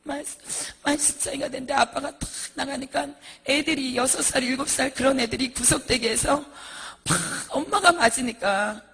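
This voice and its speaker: A male preacher telling a dramatic, emotional story in a sermon, with a gravelly, husky voice. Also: very high-pitched, normal speed, bright, forceful tone, in a large hall. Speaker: preacher giving a testimony.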